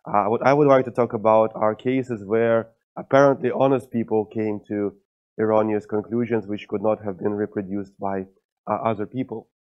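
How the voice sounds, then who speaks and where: A low-voiced man gives a prepared lecture in a hall. He delivers it steadily, with dry little jokes along the way. The recording is dull and lo-fi. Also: steady tone, moderate pace. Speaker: guest lecturer.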